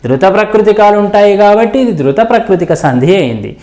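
A man's voice: sits high, very animated, a little fast, darkish tone, roomy sound. A male teacher explaining grammar in a lesson, repeating terms and examples and answering his own questions. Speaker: Telugu teacher.

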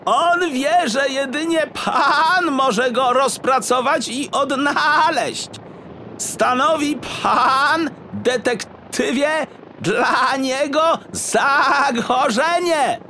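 A man voicing a smug, courteous frog official in a children's audiobook, croaking and drawing out his words theatrically. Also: extremely high pitch, drawn-out words, bright, forceful tone, a little hiss or hum, voice pushed up, heavily acted. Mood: flattering, grave. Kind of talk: audiobook character acting for children.

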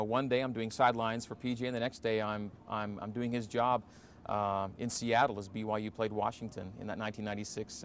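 Relaxed low-voiced man in his forties. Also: a little hiss or hum. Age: 40s. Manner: relaxed, reflective, many fillers. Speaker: play-by-play radio announcer. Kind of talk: casual interview answers. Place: empty indoor basketball arena.

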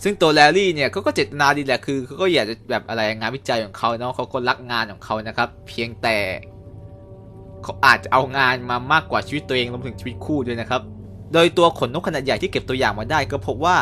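A young man casually recapping and reviewing a cartoon episode, chatty with quick asides. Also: mid-range voice, expressive, pushed and bright, faint music behind.

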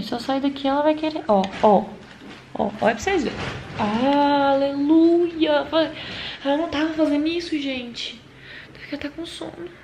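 A woman's voice: sits high, creaky, slight background noise. Chatty woman murmuring in an echoey bedroom. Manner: chatty, often drops to a hushed murmur. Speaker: vlogger caring for her mother at night. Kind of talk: casual vlog chat to viewers. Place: bedroom at night.

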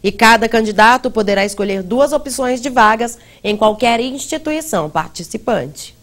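A woman's voice: fairly high pitch, lively intonation, moderate pace, no room sound. A young woman presenting a read news bulletin in a TV studio on a lapel mic. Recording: faint music bed.

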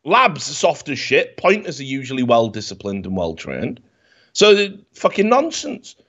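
A man, swearing freely and telling a story loudly in a casual chat, on a headset mic. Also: medium pitch, moderate pace, dull audio. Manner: profane, animated storytelling, gets loud when worked up. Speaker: podcast host. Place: home room, indoors. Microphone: headset with desk mic.

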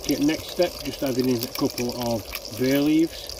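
A man's voice: medium pitch, moderate pace. A man giving a casual, unscripted step-by-step cooking narration outdoors, thinking aloud as he goes. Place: outdoors at a woodland camp, beside a cooking pan. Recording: distant mic, loud sizzling frying noise. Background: frying and bubbling food.

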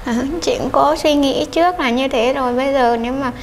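Quiet high-voiced woman, resigned. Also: fairly quick, slight background noise. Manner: quiet, resigned, short answers. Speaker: interviewed mother.

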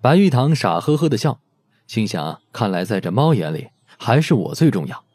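Mellow, expressive male audiobook narrator. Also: medium pitch, normal speed, slightly rough, no room sound.

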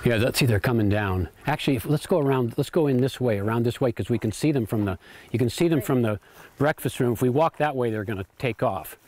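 A man in his eighties giving a relaxed, rambling tour of his homestead, often repeating words while he thinks, on a lapel mic with faint background noise. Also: mid-range voice, quick pace. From United States. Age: 80s. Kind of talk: casual tour talk. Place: outdoor garden and home pantry.

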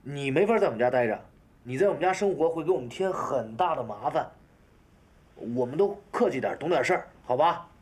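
A man's voice: fairly high pitch, lively intonation, brisk, a little mellow, lightly acted. A man in his thirties playing a harried, placating husband in a TV drama, stammering and coaxing in a natural style. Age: 30s. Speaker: actor in a television family drama. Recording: music behind the dialogue.

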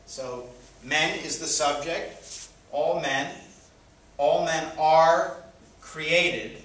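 A man's voice: fairly high pitch, very slow, a bit bright. A man teaching a sentence-diagramming lesson, thinking aloud with frequent fillers as he works at a board. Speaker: grammar teacher. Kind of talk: whiteboard grammar lesson. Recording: echoey room, mic far off.

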